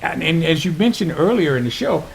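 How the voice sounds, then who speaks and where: A man's voice: on the high side, sing-song, brisk, gravelly, slight background noise, low-quality recording. A man hosting a faith-based TV talk show, leading the conversation with his guest. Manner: conversational, leading the discussion with questions.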